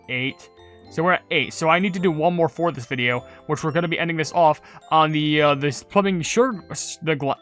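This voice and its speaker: A video creator with a mid-pitched voice hosting casual gaming commentary, rambling and often correcting themselves mid-sentence. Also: a bit bright. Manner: rambling, filler-heavy, trailing off and correcting self. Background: music.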